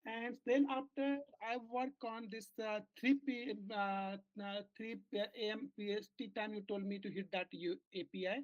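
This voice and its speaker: A man who is a software engineer, walking his team through a bug in a work meeting on a video call, with halting speech full of fillers and restarts. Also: sits high, steady tone, no room sound. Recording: dull lo-fi call audio.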